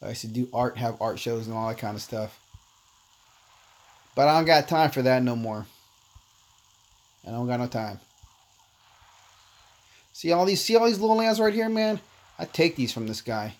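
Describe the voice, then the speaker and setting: A man's voice: mid-range voice, animated, moderate pace, pauses often. Laid-back man streaming a mobile game. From Korea. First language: Korean. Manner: laid-back, chatty, calls viewers "man", reads chat aloud. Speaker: livestream host. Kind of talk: casual gameplay livestream chat.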